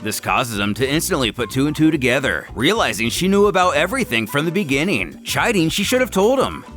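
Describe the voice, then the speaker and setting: Animated man narrating over music. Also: on the high side, fairly quick. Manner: animated, dramatic storytelling. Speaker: narrator and host. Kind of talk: scripted recap narration of a manga story.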